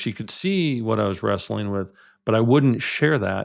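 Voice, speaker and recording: A man with an American accent and a normal speaking voice, medium in pitch, at a moderate pace with lively intonation. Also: very clean recording, silent background. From US Midwest, Minneapolis, Minnesota. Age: 60s. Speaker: interviewee sharing life story. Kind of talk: podcast interview, personal testimony.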